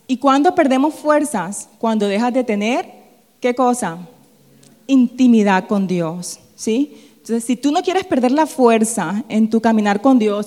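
A woman's voice: a little high, a little mellow. A woman preaching a sermon who keeps asking the audience questions and checking in with them. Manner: asks the audience frequent rhetorical questions with a tag "¿sí?". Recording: long hall reverb.

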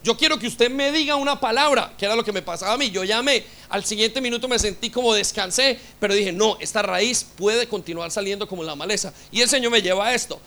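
High, bright-voiced impassioned male preacher. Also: fast talker, few pauses. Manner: impassioned preaching with rhetorical questions. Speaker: pastor. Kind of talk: sermon.

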